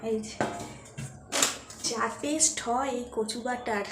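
A woman's voice: a little high, slow, over music. A woman vlogger chatting casually to her viewers, narrating her day in a friendly, talkative way. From Bengal. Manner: talks softly so the child keeps sleeping. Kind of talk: casual vlog voice-over.

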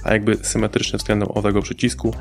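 A man reading a scripted product review voice-over in a precise, measured technical way, over soft music. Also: on the low side, flat delivery, vocal fry. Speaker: hardware reviewer.

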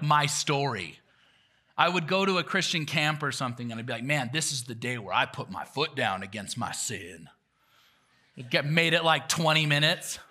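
A man preaching a sermon as pastor, conversational and animated, sometimes laughing at himself. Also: high-pitched.

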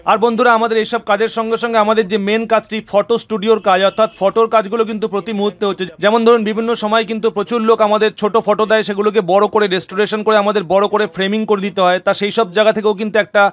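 A young Bengali-accented man talks very fast in a high voice, keeping his pitch fairly flat and even. He explains things in a brisk, instructive way. Faint street noise sits behind him. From West Bengal, India. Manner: brisk, instructive, addresses viewers as friends. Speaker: cyber cafe owner and channel host. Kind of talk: explanatory voice-over narration.

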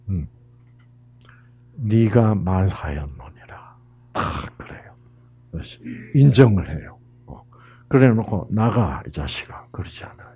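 Middle-aged guy preaching, slow talker, pitch all over the place, hushes then gets loud. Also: husky, phone-quality sound. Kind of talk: sermon with storytelling.

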